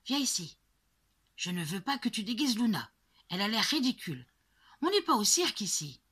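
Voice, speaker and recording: A woman voicing a gentle, patient father in a soft, coaxing tone. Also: lowish voice, very animated, normal speed, husky. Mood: scolding.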